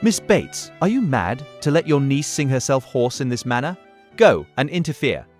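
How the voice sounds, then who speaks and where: An actor playing a blunt, protective country gentleman, brusque and authoritative, in a period audiobook drama. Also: medium pitch, big pitch swings, normal speed, soft background music, close to an everyday voice. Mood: indignant.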